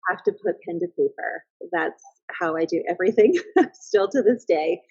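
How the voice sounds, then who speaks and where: Somewhat low, thoughtful woman in her thirties whose voice is deeply breathy and raspy. She talks earnestly and often circles back mid-sentence. The sound is dry and a little dull, like a lo-fi podcast mic. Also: moderate pace, darkish tone, dry recording. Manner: thoughtful and earnest, with frequent restarts. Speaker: podcast guest, mother and business owner. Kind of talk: casual reflective interview talk.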